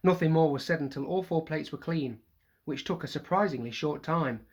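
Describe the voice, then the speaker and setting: A teacher reading a children's novel aloud to a primary school class in lively storytelling style. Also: medium pitch, moderate pace, breathy edge.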